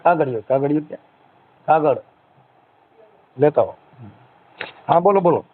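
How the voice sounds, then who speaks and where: A man's voice: fairly high pitch, lively intonation, normal speed. A man with a Saurashtra Gujarati accent in an informal phone conversation, speaking briefly as a mediator taking details over a muffled line. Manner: brief questions and acknowledgements. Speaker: mediator taking details on a helpline-style call. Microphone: telephone. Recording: muffled narrowband phone call.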